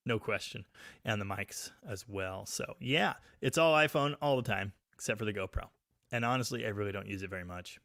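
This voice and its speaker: A man hosting a live stream, chatting casually and reading viewer comments, with a very loud voice recorded on a phone. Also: lowish voice, a little fast, gravelly, no echo, studio quality. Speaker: livestream host reading chat. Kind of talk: casual live chat about cars. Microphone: phone microphone.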